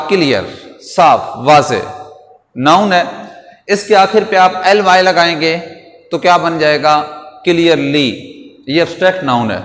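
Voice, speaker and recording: A man from Pakistan teaches English vocabulary at an unhurried, careful pace, spelling out each word and saying its meaning again. His voice sits a bit high for a man. The recording has a roomy echo with a long reverb tail. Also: a bit bright. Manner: slow and deliberate, spells words letter by letter and repeats meanings. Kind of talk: recorded classroom lecture. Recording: echoey room with long reverb.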